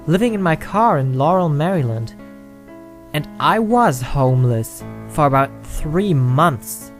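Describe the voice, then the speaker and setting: A man voicing a timid young man who stammers and blames himself, then slowly tells a ghost story in an amateur audio drama. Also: mid-range voice. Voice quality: hesitant, stammering.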